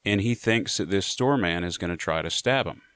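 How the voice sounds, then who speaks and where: A man's voice: deep voice, normal speed, a bit bright, clear, resonant tone, no echo, clean studio sound. A man telling a prison story to his viewers in a casual, laid-back way, often saying "you know". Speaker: storyteller sharing prison stories.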